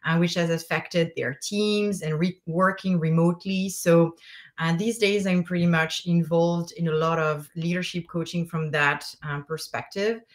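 A woman's voice: lowish voice, fairly even intonation, a little slow. A woman in her thirties with a French accent, a francophone leadership coach speaking as a guest on a video call from home, eager and fluent. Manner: warm, eager, fluent with small restarts. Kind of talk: interview talk. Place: bedroom, indoors.

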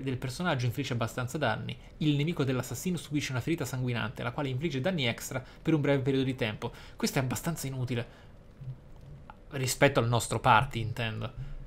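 Over a little hiss or hum, a mid-range male voice narrates gameplay for a let's play. He reads out skill descriptions and phrases his commentary in a verbose, formal way.

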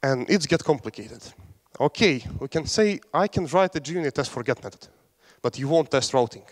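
The speaker is a young man from Latvia on stage in a large conference hall, giving a lighthearted technical talk with fillers and restarts. His voice is on the high side and animated at a normal speed, with hall reverb audible.

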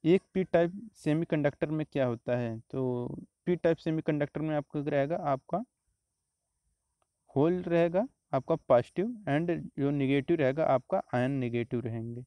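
A man, teaching exam questions step by step in a steady, explanatory way. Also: on the high side, moderate pace, smooth, no room sound. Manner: steady explanatory, repeats answers, frequent "तो देखिए" and "आपका".

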